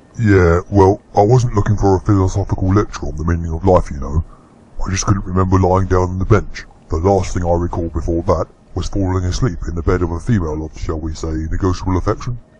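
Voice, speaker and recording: Very fast and fairly even in intonation, a man speaks in a very deep, low voice. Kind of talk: comic audio drama voice acting. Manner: laid-back, sardonic, casual.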